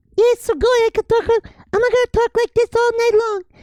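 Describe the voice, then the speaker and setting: A woman puts on a character voice pitched extremely high and delivers it at a moderate pace. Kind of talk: playful, exaggerated.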